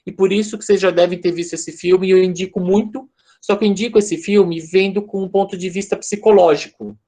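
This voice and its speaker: Animated Brazilian man giving a talk. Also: high voice, fairly quick. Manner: conversational, animated, addresses audience directly. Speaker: speaker at an online lecture. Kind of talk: informal lecture.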